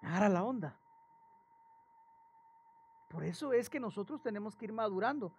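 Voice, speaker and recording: Animated preacher man. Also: high-pitched, normal speed, a little hiss or hum. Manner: animated storytelling with acted quotes and questions to the congregation. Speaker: pastor. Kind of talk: sermon.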